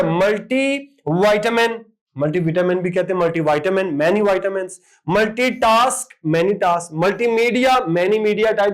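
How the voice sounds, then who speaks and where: A man teaching exam vocabulary, drilling word after word in an animated lecture. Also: high voice. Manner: lively, emphatic word-drilling with repeated "ठीक है".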